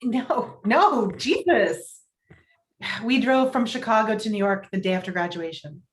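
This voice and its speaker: A woman's voice: medium pitch, a little slow, close to an everyday voice. A woman playing Sally, a fussy, wry and skeptical young journalist, in a table read of a romantic comedy script. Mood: exasperated. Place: indoor room, virtual table read.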